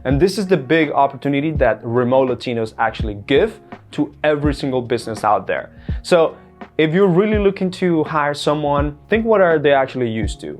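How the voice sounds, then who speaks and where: A man's voice: fairly high pitch, animated, a little fast. A man from Colombia, a business owner, talking earnestly and persuasively to camera about hiring, with plain explanations. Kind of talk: direct-to-camera business talk. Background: faint guitar music.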